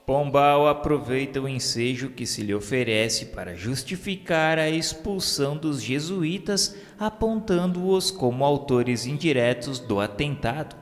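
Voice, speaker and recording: A man with a Brazilian accent narrating a religious radio novela in a solemn, formal, literary style with measured delivery. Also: medium pitch, lively intonation. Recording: long reverb with music bed. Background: music.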